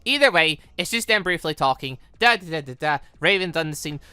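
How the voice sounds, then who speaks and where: Bright-voiced young-sounding man gaming. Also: on the high side, expressive, a little fast, clean tone, dry recording, clean studio sound. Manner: rambling, self-correcting, informal. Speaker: gaming video host. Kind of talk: casual let's-play commentary.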